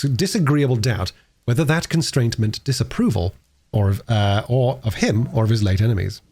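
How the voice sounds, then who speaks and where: A man's voice: medium pitch, a little mellow. A man reading a classic novel aloud expressively, as an audiobook narrator. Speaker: audiobook reader and livestreamer.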